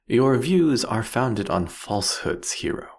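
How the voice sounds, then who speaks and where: A man playing a proudly ruthless, philosophical vampire king in a fantasy audio roleplay, speaking eloquently and mockingly in a drawn-out, theatrical way. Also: mid-range voice, full character voice.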